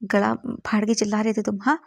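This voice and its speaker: A cheeky, brash young man with a playful, mocking tone and quick comebacks, as a woman narrator puts him on. His voice rasps with a gravelly creak and sounds close and dry. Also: mid-range voice, little pitch movement, no room sound. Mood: teasing, brash.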